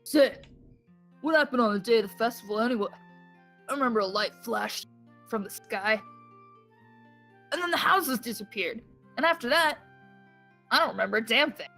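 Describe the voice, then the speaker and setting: A woman voicing a young village boy hero in a deliberately boyish, tough-sounding way, reading his lines from a game. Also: a little high, animated, gravelly, sharp tone, soft background music, full character voice. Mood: wondering.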